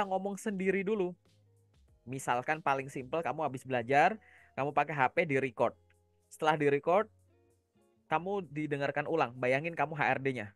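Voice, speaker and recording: Guy from java coaching casually, kinda high voice, dry close sound, asks if you get it. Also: a bit bright, no room sound. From Java, Indonesia. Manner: explanatory, asks listeners rhetorical check-in questions. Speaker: career coach.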